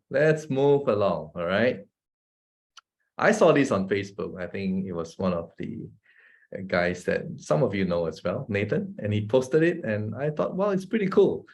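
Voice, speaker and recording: Man, Malaysian English accent, presenter, casual chatty talk, keeps asking the listeners "right?", mid-pitched voice. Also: a little mellow. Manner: chatty, asks "right?" often, laughs between points.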